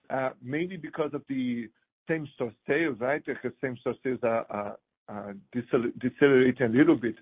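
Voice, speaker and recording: A man's voice: medium pitch, husky. A man answering as a company executive, unscripted and often correcting himself, heard over a thin phone line. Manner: halting, self-correcting. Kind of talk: unscripted earnings call answers.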